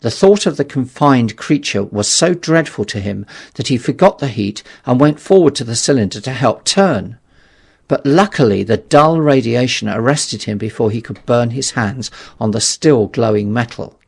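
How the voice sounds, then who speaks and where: A man narrating a literary audiobook in a measured, dramatic storytelling manner. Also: medium pitch, creaky, slightly rough.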